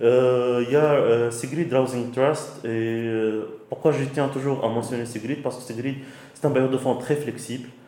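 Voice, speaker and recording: Over noticeable background noise and audible room echo, a man speaks at medium pitch in a flat monotone at a fairly slow pace. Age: 30s. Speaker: LGBT association director. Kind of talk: interview testimony. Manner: halting, many hesitations.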